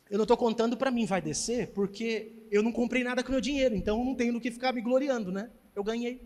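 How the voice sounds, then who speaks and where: High-voiced pastor preaching in a hall. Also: male voice. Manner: animated storytelling, preaching emphatically. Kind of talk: sermon with testimony. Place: church hall. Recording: church hall reverb.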